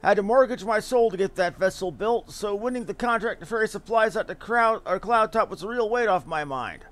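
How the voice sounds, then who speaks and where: A worried airship merchant from a fantasy game, performed by a man, speaking in a high voice. The speech is florid and dramatic, forever fretting and pleading. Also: expressive, fairly quick, a bit bright. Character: anxious airship merchant fretting over debts and lost cargo.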